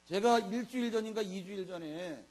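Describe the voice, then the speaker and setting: Preaching on a Sunday, this middle-aged male senior pastor speaks colloquially and emphatically, firing off rhetorical questions. He has a high, slightly mellow voice at a normal pace, and the recording carries mains hum.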